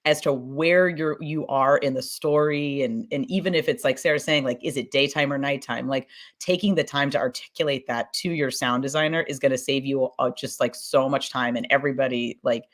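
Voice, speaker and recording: A woman's voice: a bass voice, steady tone, brisk. A woman speaking informally and emphatically as a fiction podcast creator in a casual panel discussion, with an enthusiastic manner.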